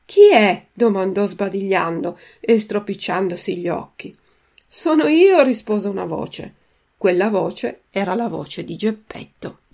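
Brief: woman narrator, gravelly voice, storybook read-aloud for learners, careful diction. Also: mid-range voice, steady tone, darkish tone. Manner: slow, careful enunciation. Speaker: reader and language teacher. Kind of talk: storybook reading with vocabulary drill.

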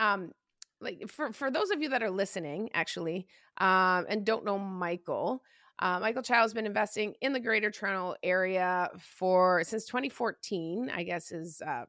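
Woman, podcast host, casual chat, excitable, many fillers, mid pitch, dry sound. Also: no echo.

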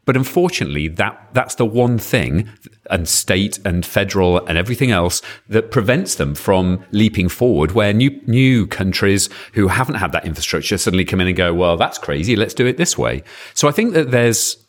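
A man's voice: lowish voice, lively intonation, normal speed. A man on a casual panel chat, explaining his point in an emphatic way.

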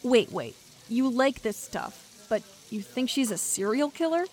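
A woman's voice: on the high side, animated, a little slow, a little mellow. An actress playing a brash, sarcastic young woman scientist in an audio drama, slangy, sweary and defensive. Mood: wry, puzzled. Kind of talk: audio drama acting, naturalistic banter.

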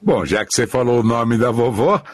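A man's voice: medium pitch, animated, brisk, husky. An older man hosting a radio podcast from home, friendly and teasing, with a broadcaster's delivery over a remote link. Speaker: podcast host. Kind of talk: warm interview hosting. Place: home in a small room. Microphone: remote online recording.

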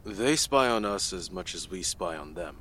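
A man plays a government technical analyst testifying in a very deep voice. He talks casually and offhandedly, like he's chatting. A faint hum sits behind him. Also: lively intonation, normal speed, bright, forceful tone. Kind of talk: audio drama acting.

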